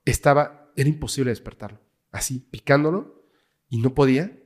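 A man with a Mexican Spanish accent and a mid-range voice tells a story as a podcast guest. He talks in a casual, dramatic way and sinks to a hush at the tense parts. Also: medium pitch, fairly quick. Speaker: guest, paranormal investigator.

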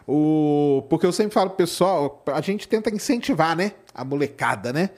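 A Brazilian man with a fairly high voice hosts a live podcast. He speaks casually and with plenty of slang. He often ends phrases with short questions seeking agreement. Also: lively intonation, moderate pace, a little mellow. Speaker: podcast host. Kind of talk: casual live-show chat.

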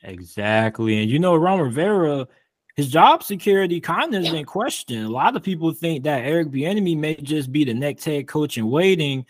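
A man's voice: on the high side, animated, moderate pace, dry recording. A man hosting a sports podcast, chatting in a laid-back, slangy way. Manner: laid-back, slangy, says "you feel me". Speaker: podcast host. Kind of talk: casual podcast chat.

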